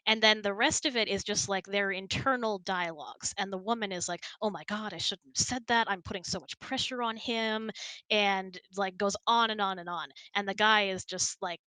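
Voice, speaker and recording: A woman's voice: mid-range voice, normal speed, pushed and bright, clean tone, dry recording. A woman hosting a casual chat, answering questions and telling stories. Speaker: host answering audience questions.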